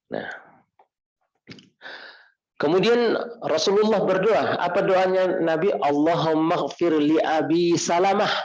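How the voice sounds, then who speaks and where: Animated male preacher, lo-fi recording. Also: medium pitch. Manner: animated, asks the audience questions and answers them; recites Arabic prayers, then explains them. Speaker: preacher teaching Islamic jurisprudence. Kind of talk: mosque study lecture.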